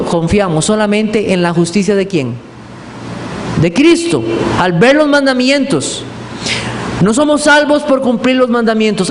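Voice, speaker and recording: A male pastor teaching a sermon, posing questions to the congregation and answering them himself, reading scripture aloud with slow emphasis. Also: high voice. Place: church hall. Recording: echoey hall with background noise.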